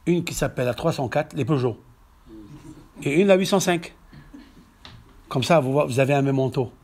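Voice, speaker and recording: A man with a French accent, a rabbi giving a lively Torah lecture to a congregation, swinging from hushed asides to emphatic exclamations and checking whether his listeners follow. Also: a little high, normal speed, slight background noise. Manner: asks the audience questions to check understanding. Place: synagogue hall.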